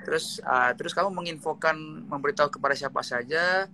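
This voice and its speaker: Playful male host on a video call, bright forceful tone, faint room ambience. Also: fairly high pitch, fairly quick, a little hiss or hum. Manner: playful, teasing, animated questions. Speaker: host interviewing pageant finalists. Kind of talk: lively online interview, mixing in English.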